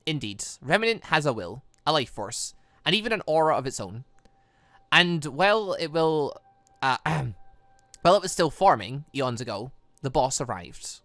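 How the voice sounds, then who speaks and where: Man voicing a calm, teasing warrior mother. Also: fairly high pitch, normal speed, dry recording. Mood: solemn storytelling. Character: calm, teasing, all-knowing mother warrior telling lore.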